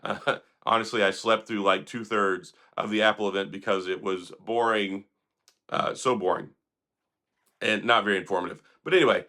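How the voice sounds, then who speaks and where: A hoarse man, sick for days, hosting an opinionated tech commentary vlog in a sarcastic, critical, rambling manner. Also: lowish voice, fairly even intonation, normal speed, pushed and bright. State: hoarse, recovering from illness. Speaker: tech video host.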